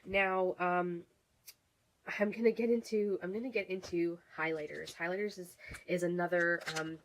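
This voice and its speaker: A woman's voice: lowish voice, fairly even intonation, normal speed, a little hiss or hum, rough recording. A woman vlogger chatting casually through makeup reviews, full of fillers and restarts, while getting over a cold. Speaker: beauty vlogger.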